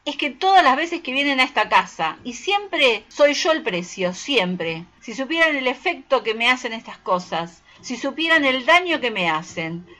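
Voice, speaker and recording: Young woman as proud, anguished Argentine daughter, very expressive. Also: high-pitched, normal speed, few pauses, heavily acted. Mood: exasperated, hurt. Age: teens. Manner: earnest, emphatic. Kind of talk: amateur radio play.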